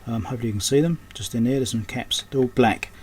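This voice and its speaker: Man, mid-pitched voice, hands-on repair narration, muttered short fragments, thinking aloud, noticeable workshop noise behind. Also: fast talker, a little mellow. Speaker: electronics repair technician and host. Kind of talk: unscripted hands-on repair commentary. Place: indoors at an electronics repair workbench.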